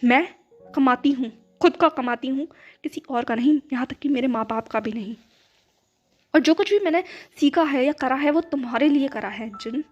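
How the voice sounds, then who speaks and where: A woman's voice: sits high, expressive, fast. A woman voicing a cheerful, tomboyish young woman who teases playfully and turns fiercely possessive, in a storybook reading. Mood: intense. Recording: dull lo-fi with background music.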